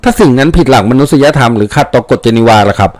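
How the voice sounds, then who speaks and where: A man voicing a calm, sly male mercenary sergeant who speaks softly. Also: medium pitch, fast talker, dry recording, natural voice. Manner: soft-spoken, sly.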